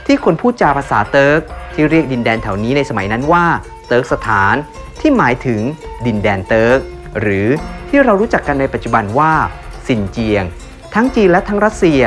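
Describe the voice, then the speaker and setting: A man's voice: mid-range voice, sing-song, brisk. A man narrating a documentary voice-over in a formal tone, addressing the viewers directly. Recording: voice-over with loud music bed.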